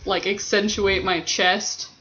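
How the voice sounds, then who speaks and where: A man's voice: high-pitched, little pitch movement, slow, pushed and bright. A young trans man talking candidly and wryly with a friend in a casual chat. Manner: candid, wry. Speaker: guest. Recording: slightly dull, faint hiss.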